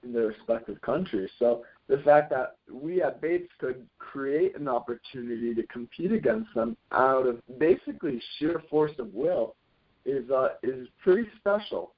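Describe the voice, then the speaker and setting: A man in his twenties, a rowing team captain, giving thoughtful, measured interview answers and often restarting his phrases. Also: mid-range voice, expressive, phone-quality sound. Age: 20s.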